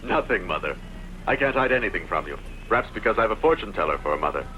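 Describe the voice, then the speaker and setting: A man's voice: low voice, very animated, fast talker, bright, forceful tone, a little hiss or hum, heavily acted, poor audio. A man dubbing a bold, lovestruck young gypsy in a costume film, with a teasing, theatrical manner. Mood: evasive, teasing. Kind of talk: dubbed costume-film acting.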